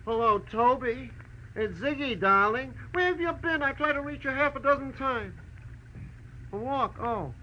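An actor playing a small, sly, irritable crook and shopkeeper in an old radio crime drama. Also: male voice, very high-pitched, lively intonation, unhurried. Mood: wheedling. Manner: snappish, fussy. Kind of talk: 1940s-50s radio crime drama acting. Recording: muffled, noisy vintage radio recording.

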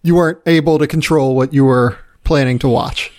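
A man's voice: on the high side, steady tone, a little fast, a little mellow. A man hosting a sports podcast in casual, conversational chat.

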